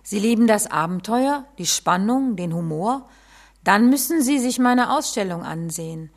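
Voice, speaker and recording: A woman giving a persuasive, barker-style sales pitch, calling people over to her stand. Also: expressive, moderate pace.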